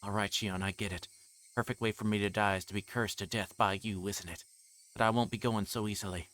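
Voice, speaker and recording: A man's voice: lowish voice, fairly even intonation, fairly quick, fairly bright tone, natural voice, poor audio. A man voicing a deranged young woman killer in a visual novel, bitter and obsessive, brooding and gloating as she speaks. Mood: bitter resignation. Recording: music playing behind the voice.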